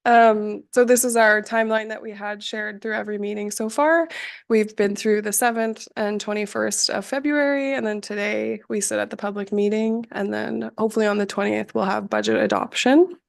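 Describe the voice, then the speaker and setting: Woman, sick and hoarse, gravelly, halting with ums, budget presentation at council meeting. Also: medium pitch, steady tone. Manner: halting, frequent ums, apologetic. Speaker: municipal finance staff presenting budget. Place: council chamber.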